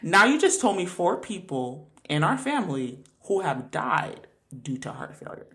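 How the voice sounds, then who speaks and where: Animated young woman telling a story. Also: fairly low pitch, normal speed. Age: 20s. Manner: animated, emphatic, laughs often, slangy. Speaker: podcast host. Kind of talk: casual storytelling podcast.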